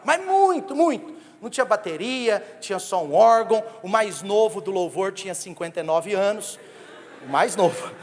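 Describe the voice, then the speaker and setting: This male pastor from Brazil has a high voice and preaches a sermon with animated, humorous storytelling, teasing the congregation as he goes. His accent is Brazilian Portuguese. The recording carries the long echo of a church hall, fitting the sanctuary setting.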